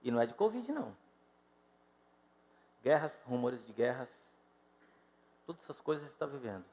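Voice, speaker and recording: A Brazilian man in his fifties preaching a sermon to his congregation, emphatic and direct, swinging between loud exclamations and quiet, drawn-out phrases. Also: mid-range voice, very animated, long reverb tail. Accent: Brazilian Portuguese. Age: 50s. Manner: emphatic, rises and drops sharply in loudness, addresses congregation directly. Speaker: pastor. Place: church sanctuary.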